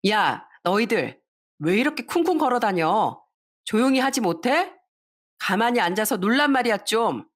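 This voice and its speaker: A woman's voice: on the high side, big pitch swings, moderate pace. Woman reading as a whiny, spoiled daughter-in-law. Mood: scolding. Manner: whiny, petulant, sharp-tongued. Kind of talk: storytelling radio drama.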